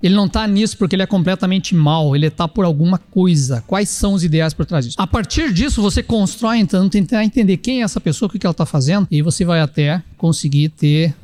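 A man's voice: high-pitched, fast, hardly any pauses, a little mellow. A Brazilian man in a conversational panel argument, explaining his view emphatically in colloquial speech.

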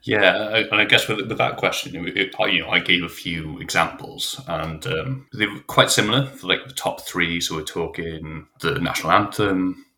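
Male researcher, very low voice with a bright, forceful edge, thoughtful and halting. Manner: thoughtful, with restarts and fillers. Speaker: researcher discussing his survey. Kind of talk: conversational interview.

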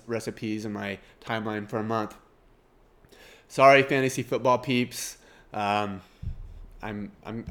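Nasal middle-aged man with a Kansas twang. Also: on the low side. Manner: rambling, self-deprecating, laughs at himself. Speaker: podcast host. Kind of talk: casual podcast monologue.

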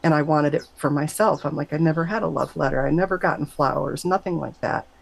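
Speaking fairly quickly with a creaky, breathy-edged voice, this middle-aged woman comes through on a rough recording. She's on an interview show telling her near-death story in an earnest, conversational manner, and she mimics quoted voices by jumping up high in pitch.

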